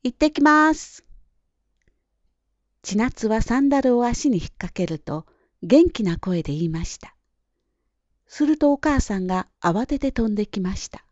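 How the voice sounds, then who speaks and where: A woman narrating a children's storybook in a gentle, even way. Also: mid-range voice, moderate pace, dry recording, highs cut off. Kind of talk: storybook reading.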